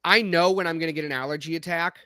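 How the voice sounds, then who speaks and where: A man's voice: a little high, fairly even intonation, fast, sharp tone. A man co-hosting a podcast in casual chat, rambling with frequent restarts, his voice a bit scratchy from allergies. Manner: rambling, restarts often, laughs. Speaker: podcast co-host.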